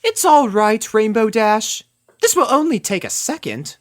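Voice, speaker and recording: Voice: medium pitch, sing-song, measured pace, pitched above the performer's own voice. A performer voicing a refined, dramatic female unicorn pony in a storybook reading, prim and theatrical in manner. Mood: soothing.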